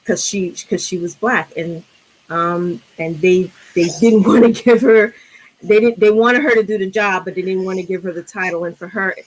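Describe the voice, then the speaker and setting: A woman with a New York accent, a guest on a film discussion, speaking reflectively with many pauses and restarts. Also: mid-range voice, low-quality recording.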